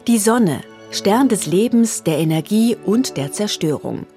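A woman's voice: mid-range voice, expressive, unhurried, dark tone, soft background music. A woman reading a scripted radio title announcement.

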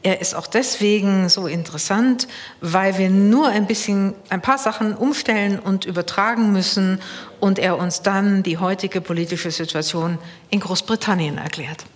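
A woman literary critic presenting her theses in a measured, deliberate way on a panel discussion. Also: medium pitch, in a large hall.

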